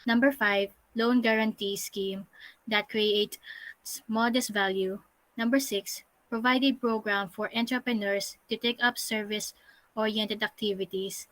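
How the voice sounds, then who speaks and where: A woman's voice: mid-range voice, steady tone, a little slow, a bit bright, no echo, rough recording. A woman reading out a presentation, going through a numbered list. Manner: reads list items aloud. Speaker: student presenter.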